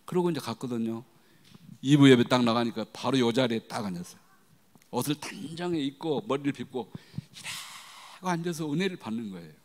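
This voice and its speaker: A middle-aged man preaching a sermon as a guest pastor, telling stories animatedly and acting out the voices he quotes. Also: brisk. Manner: animated storytelling, acting out quoted voices with big pitch jumps. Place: church sanctuary. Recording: long hall reverb.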